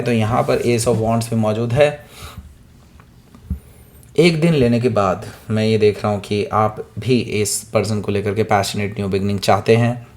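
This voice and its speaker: A man with a hoarse throat giving a weekly tarot reading, talking straight to the viewer, often checking in with "okay?" and mixing in English words. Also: on the low side, a little mellow. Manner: keeps asking "okay?" to the listener, mixes in English words. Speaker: tarot reader.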